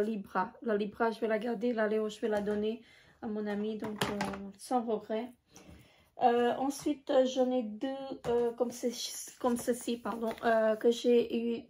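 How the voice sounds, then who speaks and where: Hesitant woman vlogger, slightly high voice. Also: darkish tone, slight background noise. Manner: hesitant, many filler pauses. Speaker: beauty vlogger. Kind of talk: casual show-and-tell vlog.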